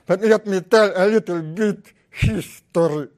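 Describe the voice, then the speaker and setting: A man with a strong Russian accent giving a conference talk as a research scientist, speaking slowly in halting, deliberate phrases. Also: high voice, a little mellow. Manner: slow, deliberate, halting speech.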